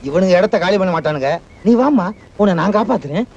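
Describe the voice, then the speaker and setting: A man's voice: high voice, expressive, fast. An actor playing a boastful, self-important village man with a pompous way of talking, in an old film comedy. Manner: bragging and pompous. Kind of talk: 1980s Tamil film comedy. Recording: dull old film soundtrack with loud music.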